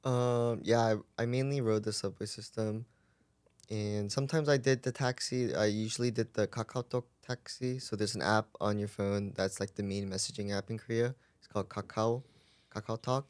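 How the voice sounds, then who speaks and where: A man with a slightly low voice chats calmly on a podcast, full of likes and ums. The recording is dry and close. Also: moderate pace, clear, resonant tone, dry recording. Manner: relaxed, many likes and ums. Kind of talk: casual podcast chat.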